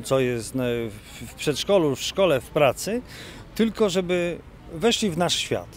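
A man's voice: fairly high pitch, a little mellow, a little hiss or hum. Enthusiastic middle-aged man interviewed outdoors. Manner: enthusiastic, stumbling restarts. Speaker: stage performer. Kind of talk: casual interview. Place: outdoor park. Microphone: handheld mic. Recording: outdoor ambience.

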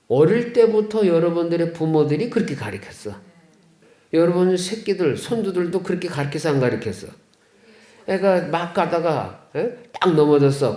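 A Catholic priest gives a homily in a folksy, questioning way and keeps turning to the congregation for replies. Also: male voice, fairly high pitch, dark tone. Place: chapel of a care center. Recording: echoey room.

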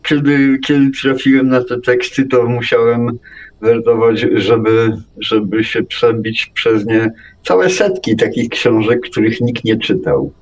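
A man's voice: mid-range voice, unhurried, low-quality recording. A man in a philosophical conversation, speaking earnestly and searching for his words as he goes. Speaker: guest presenting texts.

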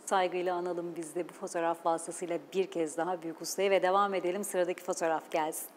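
TV host, woman, brisk prompting questions, reverberant studio, faint noise. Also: lowish voice, flat delivery. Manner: prompting, asks short questions. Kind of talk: TV interview hosting.

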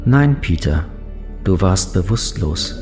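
A man acting as a spaceship's computer in a sci-fi audio drama. The voice is fairly low, calm and dispassionate. It reports in measured, formal, matter-of-fact sentences, with music clearly behind it. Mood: calm, factual. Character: calm, dispassionate male ship computer, factual and polite.

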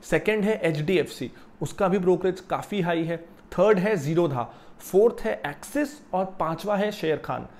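A young man giving a lively explanatory video lesson about investing, seated in a small office and using a lapel mic. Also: high-pitched, moderate pace. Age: young adult. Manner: animated, gestures while explaining. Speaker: finance educator.

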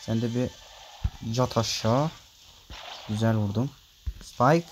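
A man's voice: mid-range voice, slow pace, noisy background. A man giving casual gameplay commentary, chatting straight to his viewers and grumbling about his random teammates. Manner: grumbling, easily annoyed at teammates; chatty, addresses viewers directly. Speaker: gameplay video maker.

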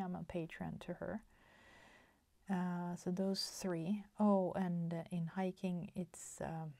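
A Swedish woman in her forties with a Swedish accent, chatting softly at her craft table with many fillers and half-whispered asides. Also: lowish voice, creaky, no echo. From Sweden. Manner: soft-spoken, slips into whispers, many fillers. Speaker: crafting channel host. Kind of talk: casual chat while crafting. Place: home craft table, indoors.

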